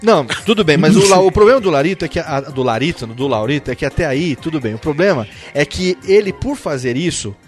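Teasing high-pitched podcast host. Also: male voice, fairly quick, few pauses, faint music behind. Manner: joking, animated, teasing. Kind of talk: casual podcast chat.

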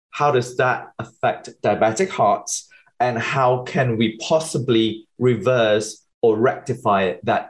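Male scientist guest from Malaysia, thirties, lowish voice, rapid explanatory bursts. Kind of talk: interview answers.

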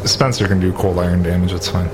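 Deadpan, lowish-voiced male player. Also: quick pace, noisy background. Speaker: tabletop game player. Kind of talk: casual, improvised role-play chat.

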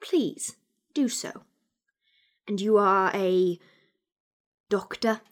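Snooty prim lady, medium pitch, formal, clipped, disdainful, audio drama. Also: extremely slow. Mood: cold, disdainful. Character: prim, haughty, stiff woman housemate.

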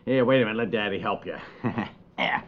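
A man's voice: lowish voice, a little fast, close to an everyday voice. A man playing an affectionate, concerned suburban father in a 1950s radio comedy, speaking in a homely, coaxing, conversational way. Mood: fond, coaxing. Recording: dull 1950s radio recording.

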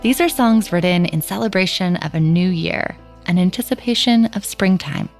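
A woman hosting a podcast, delivering polished, measured scripted narration. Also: on the low side, soft background music. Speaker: podcast host.

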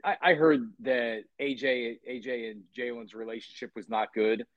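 Halting, opinionated man on a remote call. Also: medium pitch, fairly even intonation, no echo, dull audio. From Philadelphia area. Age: 50s. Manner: halting, repeats words, opinionated. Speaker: guest. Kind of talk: casual podcast chat.

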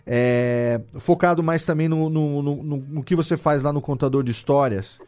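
A man's voice: fairly high pitch, moderate pace, a little mellow. A Brazilian man hosting a conversational podcast interview, speaking in an emphatic, colloquial way. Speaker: podcast host.

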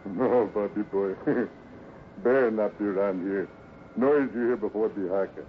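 A man's voice: on the low side, unhurried, lightly acted. A man playing a loyal, protective Indian scout who speaks broken English with a few Spanish words, in a 1950s radio adventure. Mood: calm, reassuring. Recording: muffled, faintly hissy 1950s radio recording.

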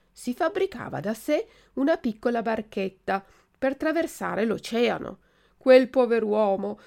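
A large, good-natured pigeon speaks calmly and helpfully, as a woman reader puts him on. The voice sits a bit higher than plain narration and has some gravel in it. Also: exaggerated voice. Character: big talking pigeon, kindly and helpful. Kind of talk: storybook reading.

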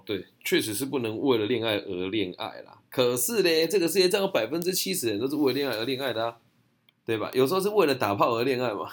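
A young man with a Taiwanese Mandarin accent, answering audience questions in a blunt, slangy, chatty way. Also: mid-range voice. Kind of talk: casual Q&A monologue.

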